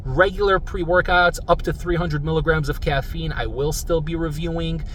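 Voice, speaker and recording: A man's voice: a little high, steady tone, normal speed, fairly bright tone. Man, mid-30s, earnest rambling vlogger, in a moving car, distant mic. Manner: rambling, earnest, says "guys" often. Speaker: supplement review channel host. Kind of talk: casual vlog talk to viewers. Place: in a car while driving. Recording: mic far off, car road noise. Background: car and traffic noise.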